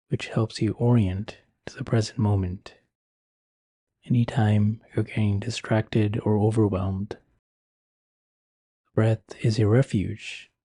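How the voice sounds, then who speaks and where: A man leading a guided meditation in a soothing, measured and gentle manner. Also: lowish voice, slightly rough, no room sound.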